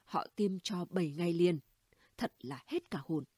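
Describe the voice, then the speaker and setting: A brash, gossipy middle-aged neighbor woman, voiced by a female reader spills stories in a chatty, conspiratorial audiobook voice. The tone is warm and mellow with a soft breathy edge. The recording is dry and close. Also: on the low side, moderate pace, no room sound. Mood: gossiping. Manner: chatty, blunt, conspiratorial storytelling. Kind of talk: audiobook character dialogue.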